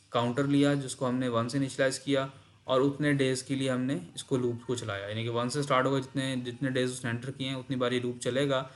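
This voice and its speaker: A man walks through a programming lesson at an ordinary, mid-range pitch. He reads English lines from the textbook aloud, then explains them again in his own words. He repeats key points as he goes. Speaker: teacher.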